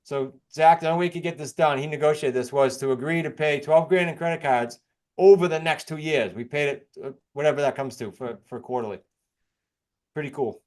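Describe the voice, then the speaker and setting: A man from New England with an American accent, presenting case studies as an informal, fast-talking real estate coach. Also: on the high side, a little mellow. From New England, United States. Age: middle-aged or older.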